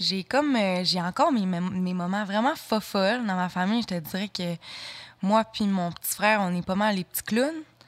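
On a very clean recording with a silent background, a woman with a medium pitch and a somewhat breathy voice speaks at a fairly slow pace with lively intonation. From Quebec, Saguenay (Jonquière/Arvida). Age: 20s. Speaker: model. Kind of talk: interview conversation.

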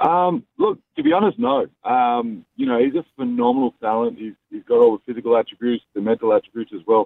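An Australian accent at a fairly quick pace, with hardly any pauses. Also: man. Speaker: professional basketball player. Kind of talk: interview. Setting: phone call.

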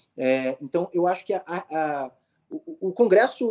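The sound is dry and close with no echo as a man speaks in a high pitch with a dark, mellow tone. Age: 30s. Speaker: entrepreneur, coworking founder. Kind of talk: interview.

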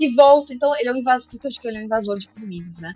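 A woman's high-pitched voice with ordinary pitch variation, set against noticeable background noise. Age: 30s. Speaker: gaming industry guest. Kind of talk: casual chat.

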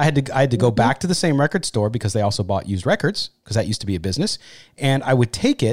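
Somewhat breathy, a man speaks at a medium pitch and a very fast pace with lively intonation, the sound dry and close with no echo, in a very clean recording with a silent background. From US West Coast, North San Diego County. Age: 50s. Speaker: podcast host and sports radio host. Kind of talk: casual chat.

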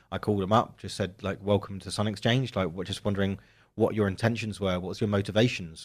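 A man with a British accent talks very fast in a fairly low, monotone, flat voice, on a very clean recording with a silent background. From UK. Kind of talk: interview.

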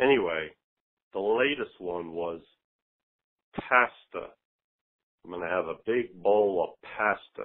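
With a New Jersey accent, a man speaks very slowly at a fairly low pitch, with ordinary pitch variation, big swings in loudness and long, frequent pauses. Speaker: voicemail caller. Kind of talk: voicemail message. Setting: phone.

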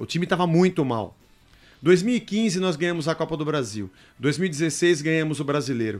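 Lively intonation runs through a man's fairly high voice, a plain, everyday voice. He keeps a moderate pace. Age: 50s. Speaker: musician. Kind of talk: casual chat.

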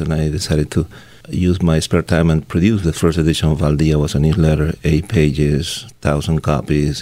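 With a Spanish accent, a man talks at a fairly quick pace in a very deep, low pitch and fairly even intonation. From Colombia. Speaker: media founder and journalist. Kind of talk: interview.

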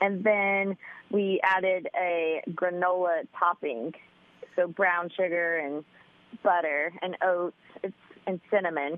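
A woman with a Texan accent, fairly low in pitch, at a very slow pace with fairly even intonation. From Texas, Round Top area. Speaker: author and pie shop owner. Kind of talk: radio interview.

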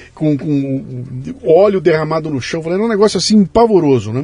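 Lively intonation amid noticeable background noise. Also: man. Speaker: podcast host. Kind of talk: interview. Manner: animated, casual.

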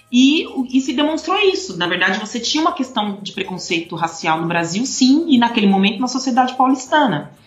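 A woman talks at a fairly quick pace and high pitch with very wide pitch swings, music playing in the background. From São Paulo, east side periphery. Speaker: university professor of education. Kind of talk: interview.

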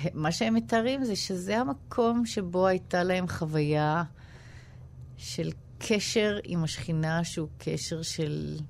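A woman's fairly low-pitched voice, very slow in pace, with lively intonation. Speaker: Kabbalah scholar. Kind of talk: casual chat. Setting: studio.

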